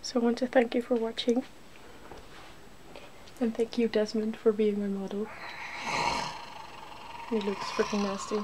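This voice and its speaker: A woman's voice: on the high side, little pitch movement, measured pace, pauses often. Casual female ASMR host over noticeable noise. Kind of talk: ASMR, casual chat while doing makeup.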